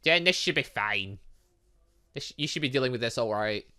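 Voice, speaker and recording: A gaming host with a bright, forward voice and a very animated pitch. The delivery is casual and rambling, like someone thinking out loud while playing and commenting on a visual novel. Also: brisk, clean tone. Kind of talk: casual let's play commentary, reading game text aloud.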